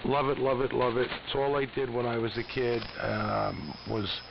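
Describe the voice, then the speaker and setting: A man's voice: medium pitch, fairly even intonation, normal speed. A man chatting casually as an amateur radio operator over an AM shortwave transmission. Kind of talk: casual ham radio chat. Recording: dull AM radio with clear static. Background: radio static.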